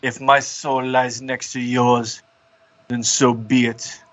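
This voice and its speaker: A man's voice: mid-range voice, little pitch movement, slow, a bit bright, dull audio. A man playing a tabletop roleplaying game, moving between table talk and in-character speech.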